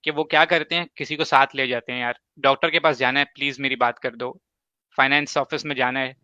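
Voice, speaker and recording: Bright emphatic man, dull lo-fi sound. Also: medium pitch, fairly even intonation, clean tone, no room sound. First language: Urdu. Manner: emphatic, explains with examples and quick asides. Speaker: host. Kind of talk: casual advice talk.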